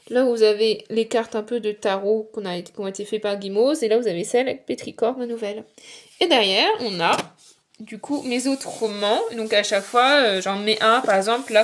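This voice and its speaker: A young woman showing her bookshelves in a casual vlog, rambling with lots of fillers. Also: on the high side. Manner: chatty, rambling with many fillers. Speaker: booktuber and author. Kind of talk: casual book-collection vlog. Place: home room with bookshelves.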